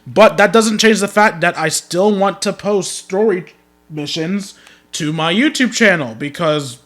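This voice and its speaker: A man's voice: sits high, measured pace, fairly bright tone. A man doing joking livestream game commentary in a wry, theatrical, self-deprecating manner. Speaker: game streamer. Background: game music.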